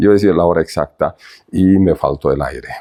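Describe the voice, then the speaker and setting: Speaking at a moderate pace, a man has a dark, mellow tone and a Cochabamba Bolivian accent. The sound is dry and close, with no echo. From Bolivia, Arani, Cochabamba valley. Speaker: radio broadcaster. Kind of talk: interview. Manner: conversational, storytelling.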